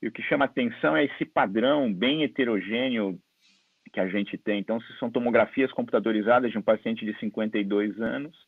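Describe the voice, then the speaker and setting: A man's voice: mid-range voice, a little fast, creaky, breathy edge, no echo. A man with a Brazilian Portuguese accent giving a conversational, explanatory online lecture as a guest expert, on slightly dull call audio. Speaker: guest medical expert and presenter.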